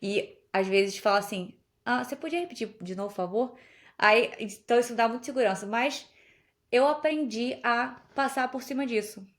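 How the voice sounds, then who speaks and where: Young brazilian woman chatting on a podcast, laughs a lot, slightly high voice. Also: moderate pace. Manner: chatty, laughs often, storytelling. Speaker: guest on a podcast. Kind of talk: casual conversation.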